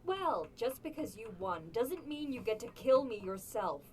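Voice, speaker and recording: A woman voicing an indignant, sharp-tongued young princess in a cartoon. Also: fairly high pitch, sing-song, normal speed, husky. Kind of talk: dramatized cartoon parody dialogue.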